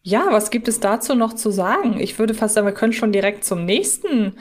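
A woman's voice: mid-range voice, lively intonation, fairly quick. A woman co-hosting a podcast in a casual, analytical way, correcting herself as she thinks aloud. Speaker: podcast co-host.

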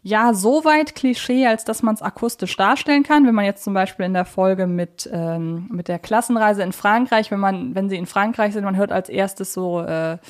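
A woman speaks as a podcast co-host in casual, reflective conversation. Her pitch sits in the middle of the female range. She pauses to find the right word and often rephrases what she has begun. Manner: hesitant, searching for words, self-correcting. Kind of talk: casual analytical podcast chat.

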